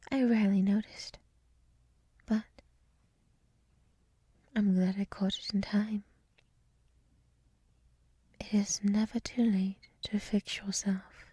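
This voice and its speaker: Woman acting as gentle wise monster lady, ASMR roleplay, very breathy whisper, dark mellow tone, soothing, encouraging, close-miked. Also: medium pitch, no room sound. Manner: slow, soothing, reflective, encouraging. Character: gentle, wise monster woman with many eyes, hotel resident. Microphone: close mic, dry.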